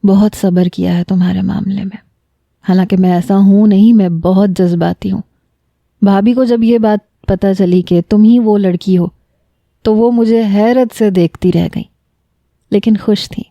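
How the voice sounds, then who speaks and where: A woman's voice: medium pitch, fairly even intonation, creaky, dark tone, dry recording, muffled recording, natural voice. A woman reading as an earnest young lover. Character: young man confessing love, earnest and emotional. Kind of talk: scripted narration.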